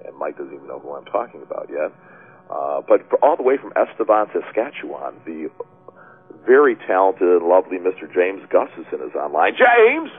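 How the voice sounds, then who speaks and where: A man's voice: deep voice, expressive, brisk, breathy edge. A man hosting a call-in webcast, chatting casually with many fillers. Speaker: webcast host. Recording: tinny phone-line sound.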